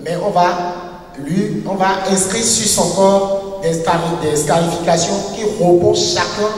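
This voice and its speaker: Halting lecturer echoing in a far hall. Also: male voice, high voice, fairly even intonation, a little mellow, a little hiss or hum. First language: a local language, not French. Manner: halting, searching for words with many restarts and fillers. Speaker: university professor and historian giving a lecture. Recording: echoey hall recorded from far off.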